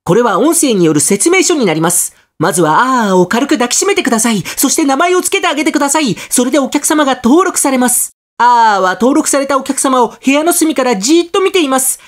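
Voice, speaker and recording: Guy doing a high animated narrator voice, polite product guide read, really swoopy. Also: fast. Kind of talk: scripted narration demo.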